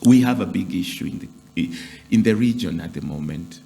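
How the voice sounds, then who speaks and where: Man, talk host, gravelly and lively, teasing banter. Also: low-pitched, moderate pace. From Kenya. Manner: playful, teasing, laughs often. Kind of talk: casual studio chat.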